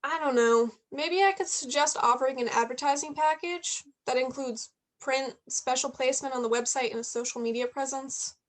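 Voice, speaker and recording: A woman's voice: sits high, fairly even intonation, moderate pace, hardly any pauses, lightly acted. A woman playing an ambitious young journalist and loyal friend, frustrated at times, in a staged reading of a play. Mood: doubtful.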